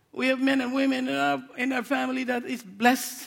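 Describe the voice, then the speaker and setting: With vocal fry, the voice moves at a moderate pace and shows ordinary pitch variation. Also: woman. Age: 70s. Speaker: guest preacher. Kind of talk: sermon. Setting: church. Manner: animated.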